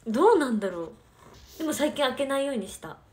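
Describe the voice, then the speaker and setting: Polite young woman telling stories, slightly high. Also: big pitch swings, quick pace. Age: young adult. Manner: polite to her senior, storytelling, soft laughs. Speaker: idol livestream co-host. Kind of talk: casual late-night livestream chat.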